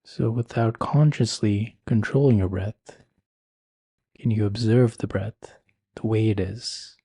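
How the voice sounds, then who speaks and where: A man leading a guided meditation in a soothing, measured and gentle manner. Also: lowish voice, steady tone, husky, dry recording, studio quality.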